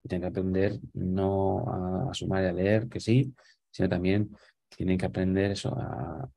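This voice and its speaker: Guy in his 40s, deep and mellow, lots of ehs and restarts, webcam call. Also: steady tone, normal speed, creaky. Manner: thoughtful, explaining with many fillers and restarts. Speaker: guest. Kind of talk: casual conversation on a video call. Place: small room at home. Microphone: webcam on a video call.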